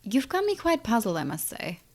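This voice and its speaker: A woman's voice: fairly high pitch, huge pitch swings, brisk, darkish tone. A woman playing an ancient, menacing siren in an audio drama, taunting and condescending with a theatrical drawl. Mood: intrigued, gloating. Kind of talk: audio drama villain acting.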